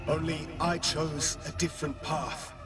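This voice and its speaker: An actor playing a grave, desperate warrior double in a video game, solemn, intense and commanding. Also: male voice, on the high side, little pitch movement, unhurried, music in the background, natural voice. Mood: grave, demanding. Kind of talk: video game character acting. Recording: distant voice in long reverb.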